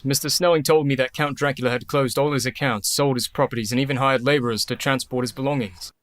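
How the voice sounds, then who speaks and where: An actor playing a methodical young doctor in a radio play, brisk and matter-of-fact. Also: male voice, mid-range voice, steady tone, a bit bright, no room sound, natural voice. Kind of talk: community radio play acting.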